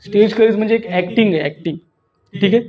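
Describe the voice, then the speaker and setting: A man's voice: sits high, fast talker, dull audio, a crowd in the background. A man leading a stage-speaking workshop, emphatic and often putting questions to his listeners. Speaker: workshop trainer, anchor and voice artist. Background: audience of students.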